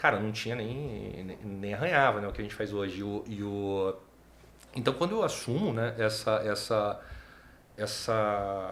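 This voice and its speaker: A man with a Paraná accent speaks at a fairly slow pace and a fairly low pitch, with ordinary pitch variation and audible room echo. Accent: Paraná accent, still kept. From Paraná, Brazil (Curitiba). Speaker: pharmacy company CEO. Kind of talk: podcast interview.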